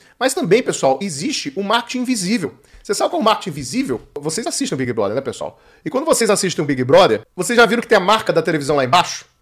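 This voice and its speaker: With a Brazilian accent, a man talks very fast in an animated tone, his pitch swinging very widely against a quiet background. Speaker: digital marketing YouTuber. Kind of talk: tutorial.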